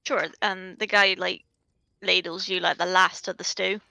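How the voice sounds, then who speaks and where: A woman's voice: lowish voice, little pitch movement, moderate pace, creaky, bright, forceful tone, dry recording. A woman narrating a tabletop game as game master, hesitant with many fillers.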